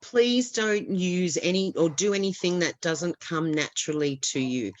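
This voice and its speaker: A woman's voice: fairly low pitch, normal speed, no echo, dull audio. Reassuring woman explaining test tips. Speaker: IELTS expert guest. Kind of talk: webinar advice.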